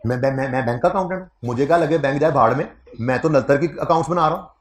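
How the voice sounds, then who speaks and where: A man's voice: medium pitch, rapid-fire. A man giving a classroom accounting lecture, conversational, teasing his students and repeating key points.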